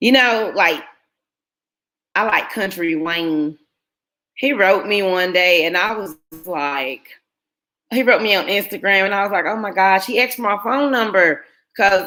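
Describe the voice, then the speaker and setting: A woman with an American accent talks at a fairly slow pace with long, frequent pauses. Her voice is medium in pitch, bright and sharp in tone, with ordinary pitch variation. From US South, rural North Carolina. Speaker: online video host. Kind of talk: live stream chat with viewers.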